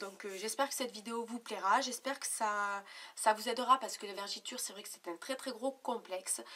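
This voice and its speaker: The voice has a bright, sharp tone and moves at a fairly quick pace. Its pitch variation is ordinary. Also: woman. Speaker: beauty vlogger. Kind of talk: tutorial. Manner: fast.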